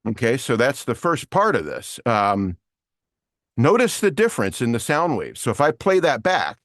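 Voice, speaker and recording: A man's voice: mid-range voice, huge pitch swings, normal speed, fairly bright tone, dry recording, clean studio sound. A man teaching an online voiceover lesson with screen share, explaining in a casual way with many fillers. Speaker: voiceover coach.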